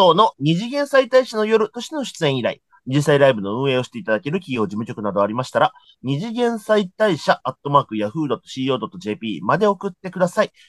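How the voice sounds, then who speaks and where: A man at a fairly quick pace, with very wide pitch swings, in a dry, close sound with no echo. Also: hardly any pauses, big swings in loudness. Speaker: comedian and podcast co-host. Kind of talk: casual chat.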